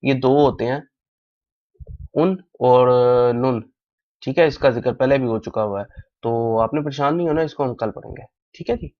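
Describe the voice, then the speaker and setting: A man teaching a language class, slowly repeating drill phrases again and again as in a recorded lecture, with Urdu as his first language. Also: medium pitch. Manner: slow, repeats drill phrases many times. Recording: dull lo-fi recording.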